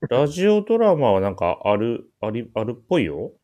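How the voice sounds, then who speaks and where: A man's voice: medium pitch, very animated, fairly quick, warm tone, highs cut off. A man with a Kansai accent hosting a casual chat show, teasing and quipping back. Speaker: radio show host.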